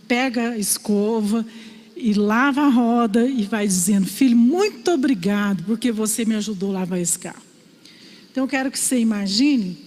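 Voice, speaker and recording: A woman from Brazil delivers a sermon in a warm storytelling manner, her voice sitting fairly high. The sound carries a long reverb from a church hall. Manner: storytelling, animated voices for quoted father. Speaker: preacher.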